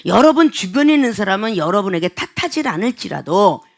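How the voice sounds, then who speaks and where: A woman's voice: mid-range voice, brisk. A middle-aged woman pastor giving a sermon, telling everyday stories and acting out both sides of the dialogue. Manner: animated storytelling with acted-out dialogue.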